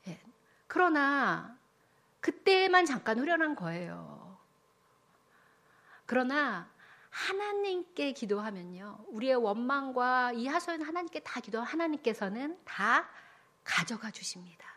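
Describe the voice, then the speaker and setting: A woman, a pastor's wife, preaching a sermon earnestly, moving between hushed whispered stretches and fervent raised emphasis. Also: high voice, big pitch swings, unhurried.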